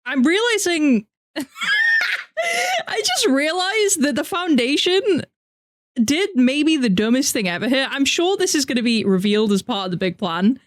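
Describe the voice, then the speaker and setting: A woman streamer giving casual, animated reaction commentary with expressive exclamations. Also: a little high, no room sound, studio quality.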